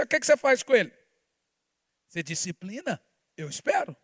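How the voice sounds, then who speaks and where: Pastor guy preaching hard, really high voice, loud then quiet, dry sound. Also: no room sound. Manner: emphatic preaching that swings between shouts and hushed asides. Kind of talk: sermon.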